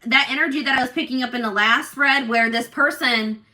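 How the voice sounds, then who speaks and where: A woman with a strong, loud voice giving a casual tarot reading to viewers in an assertive, emphatic, repetitive manner. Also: high-pitched, brisk, far from the mic. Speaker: tarot reader and channel host.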